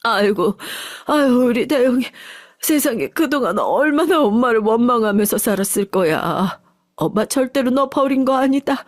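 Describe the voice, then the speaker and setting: A woman's voice: little pitch movement, takes it slowly, dark tone. A woman playing a wailing elderly mother. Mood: sobbing. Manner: high, wailing, emotional. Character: elderly mother, poor, sobbing with joy.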